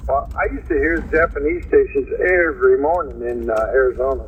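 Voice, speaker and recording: Male radio operator, relaxed on-air small talk, narrow phone-like transmission, noisy vehicle background. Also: medium pitch, fairly quick. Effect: heard over a single-sideband radio. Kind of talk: casual on-air chat. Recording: band-limited radio audio, vehicle noise.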